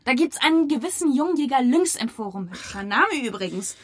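An angry female activist in a radio crime drama. Her voice sits fairly high and has a husky edge. She sounds accusing and sarcastic, with grief underneath. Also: very animated, brisk. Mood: angry, bitter.

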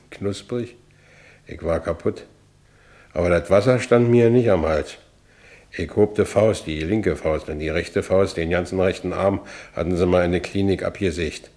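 Low-voiced, battered Berlin ex-convict. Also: male voice, steady tone, unhurried, darkish tone. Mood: grim, wry. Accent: German. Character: battered, one-armed Berlin ex-convict telling his own story. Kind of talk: first-person radio play narration.

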